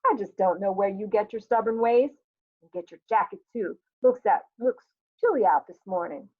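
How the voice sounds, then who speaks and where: A woman's voice: mid-range voice, normal speed, natural voice. Woman acting out a weary young mother, stern yet loving, dry, clipped delivery, stage drama reading, muffled lo-fi phone-like audio. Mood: scolding. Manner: scolding, dry, clipped commands.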